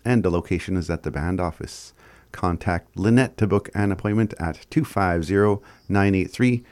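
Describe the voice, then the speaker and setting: A man's voice: low-pitched, a little mellow, no echo. A man with an Indigenous Canadian reservation accent reading community announcements in an informal way, with the odd stumble.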